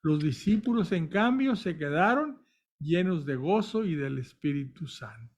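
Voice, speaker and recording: A man with a fairly high, expressive voice reads scripture aloud a little slowly, stopping now and then to explain it in plain words as a Bible reader and commentator. He makes small restarts along the way, and the recording is dull and lo-fi.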